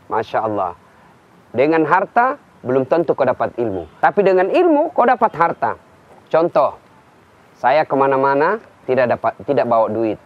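A man giving a televised Islamic sermon, telling stories with humorous examples. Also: mid-range voice. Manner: lively storytelling preacher, humorous examples. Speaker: Islamic preacher. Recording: dull lo-fi recording.

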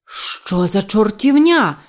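A woman's voice: medium pitch, very animated, normal speed. A woman voicing a stern, brusque male zoo director who raises his voice. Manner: stern, shouting.

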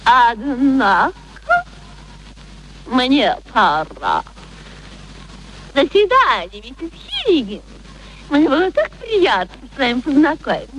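A woman's voice: sits high, big pitch swings, takes it slowly, long pauses, fairly bright tone, full character voice, poor audio. A woman in a radio play acting a young flower girl who carefully and indignantly poses as a refined lady. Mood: prim politeness. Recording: faint noise, archive radio drama.

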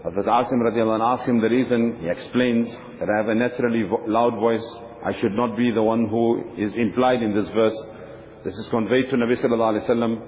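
A man giving an earnest religious talk, telling stories in a steady, devoted way and using many Arabic honorifics. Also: lowish voice, fast. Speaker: Islamic speaker. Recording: dull lo-fi recording with faint noise.

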